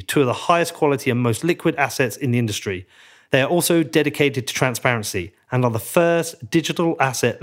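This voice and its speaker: A man from England with an English accent, a podcast host reading sponsor ads and interviewing a guest at a conference. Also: mid-range voice. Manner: conversational, reads sponsor spots then asks questions. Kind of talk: ad reads and interview questions.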